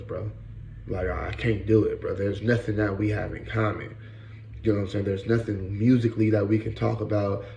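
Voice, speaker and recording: Man, late thirties, casual profane commentary, gravelly voice, roomy echo. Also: lowish voice, a little mellow, muffled recording, slight background noise. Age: 30s. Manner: blunt, profane, repeats "bro" and "you know what I'm saying". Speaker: podcast host.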